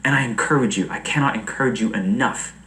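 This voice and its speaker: A young man chatting casually on a livestream, rambling and animated, laughing often. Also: medium pitch, fast talker, echoey room, slight background noise, rough recording. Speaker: streamer.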